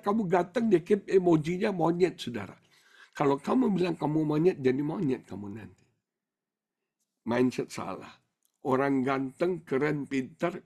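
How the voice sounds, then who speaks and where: A middle-aged man preaching a sermon in a somewhat high, husky voice. His intonation rises and falls very expressively. He speaks casually and often slips in English words. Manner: animated and colloquial, mixes in English words. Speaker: pastor.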